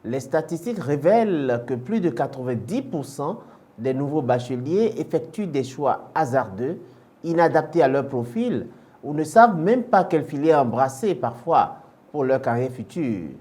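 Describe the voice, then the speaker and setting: A man's voice: on the high side, lively intonation, normal speed, a little mellow. A man working as a journalist, reading a formal scripted introduction and then asking interview questions. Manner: formal, announcing. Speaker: journalist host.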